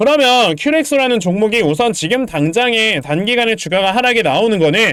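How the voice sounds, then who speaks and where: This man talks at a fairly quick pace in a high voice. His intonation is lively. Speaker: stock market commentator. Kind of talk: stock analysis with sales pitch. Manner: fast.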